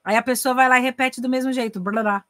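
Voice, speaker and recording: A middle-aged Brazilian woman teaches English in a relaxed online masterclass. She speaks with a Brazilian Portuguese accent and a lively, animated delivery, acting out dialogues between languages. Her voice is recorded dry and close, with no room echo. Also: sits high, quick pace.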